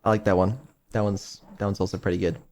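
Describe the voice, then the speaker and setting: A man's voice: low voice, little pitch movement, quick pace, darkish tone. Hesitant, rambling male streamer. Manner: rambling, hesitant, many ums, offhand swearing. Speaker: developer and streamer. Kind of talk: casual live stream update.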